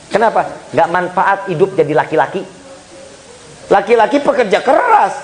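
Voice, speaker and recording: A male preacher giving a humorous sermon, speaking straight to the congregation with loud bursts and hushed asides. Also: fairly high pitch, low-quality recording. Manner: jokey, animated, swings between loud and hushed; addresses listeners directly as Pak and Bu.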